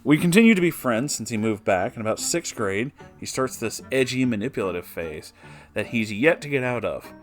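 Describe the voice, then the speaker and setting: A man's voice: mid-range voice, animated, moderate pace, faint music behind. A man narrator reading a written personal story aloud, with brief asides of his own. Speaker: narrator reading online stories.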